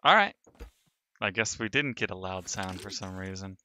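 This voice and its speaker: A man's voice: low-pitched, steady tone, moderate pace, pushed and bright, slight background noise. A man streaming a sandbox building game, thinking aloud in casual commentary as he narrates each step of his work.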